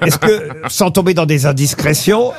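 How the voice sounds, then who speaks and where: A man hosting a radio show, telling a joke in an animated way and bantering with guests in the studio. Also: a little high, normal speed. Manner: animated storyteller, playful questions.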